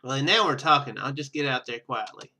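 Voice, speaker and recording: Bright-voiced man narrating a video game. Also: medium pitch, expressive, brisk. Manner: rambling, thinking out loud. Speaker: gaming video host. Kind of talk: casual let's play commentary, reading game text aloud.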